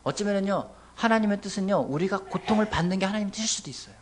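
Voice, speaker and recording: Animated high-voiced male pastor. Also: very fast, slight background noise. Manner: animated, swings between loud exclamations and near whispers. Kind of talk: sermon. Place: church sanctuary.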